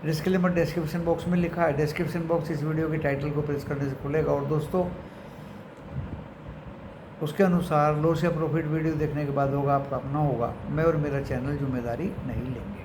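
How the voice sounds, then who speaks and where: An Indian channel host with a slightly high voice offers unscripted market commentary, often slipping into English phrases and speaking to his viewers as friends. He talks fairly quickly with fairly even intonation. The room is echoey, with clear noise behind him.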